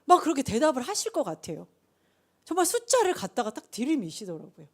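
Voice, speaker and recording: A middle-aged woman preacher giving a conversational sermon, telling the story with lively asides. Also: high voice, fast talker.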